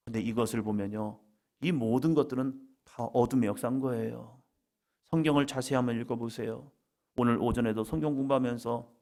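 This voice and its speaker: A middle-aged man preaching a sermon at a church worship service, alternating loud emphatic declarations with hushed whispers and acting out quoted prayers. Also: medium pitch. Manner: acts out quoted prayers and voices of others. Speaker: pastor.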